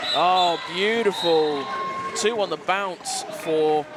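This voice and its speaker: A man co-commentating live roller derby on a headset, easygoing and quick with banter. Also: sits high, noisy background.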